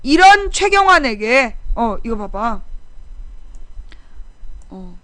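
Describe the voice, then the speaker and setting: A woman's voice: on the high side, very animated, takes it slowly, a bit bright, no room sound. A woman hosting a casual political live-stream, talking bluntly and sarcastically as she scolds commenters. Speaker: political talk show streamer.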